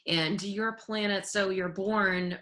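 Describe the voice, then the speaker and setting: A woman hosting a podcast, asking short questions and listening with quiet "mm"s. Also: mid-range voice, steady tone, takes it slowly. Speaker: podcast host. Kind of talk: interviewing.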